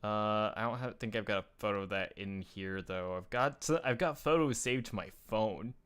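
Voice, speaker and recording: A bright, clear-toned man chats on a live stream. He rambles and restarts, scattering uhs as he talks through pictures, casual and loose. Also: fairly low pitch, moderate pace. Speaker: show host sharing his picture folder.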